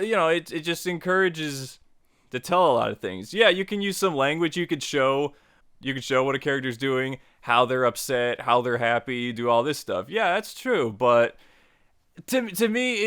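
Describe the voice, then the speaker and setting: A man's voice: mid-range voice, fairly bright tone, clear, resonant tone, dry recording, clean studio sound. A man hosting a casual video lesson, chatty and enthusiastic, often restarting phrases and saying "you know". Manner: chatty, repeats words, lots of "you know". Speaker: online tutorial host.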